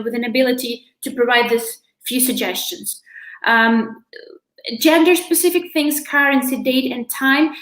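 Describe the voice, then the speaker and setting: A young woman presenting a software demo on a video call, chatty and full of "you know" fillers. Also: sits high, echoey room, low-quality recording. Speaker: presenter from a localization company. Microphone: video call webcam.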